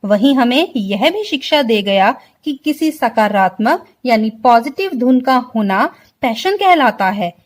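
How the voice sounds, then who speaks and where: A woman teacher giving a slow online vocabulary lesson to children, explaining words one by one and often checking that they understand. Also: fairly high pitch, lively intonation. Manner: slow, explains word by word, keeps asking if clear. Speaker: school Hindi teacher.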